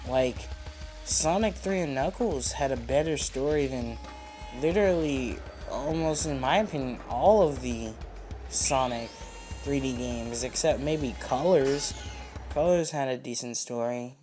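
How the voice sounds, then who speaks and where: A man's voice: mid-range voice, unhurried, darkish tone. A man giving casual, rambling and opinionated commentary on a video game as he plays. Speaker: gaming video host. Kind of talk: casual let's play commentary. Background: game music.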